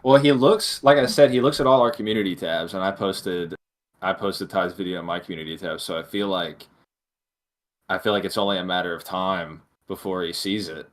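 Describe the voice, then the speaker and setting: Lower-voiced man chatting on a podcast. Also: fairly quick. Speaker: podcast co-host. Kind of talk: casual opinionated discussion.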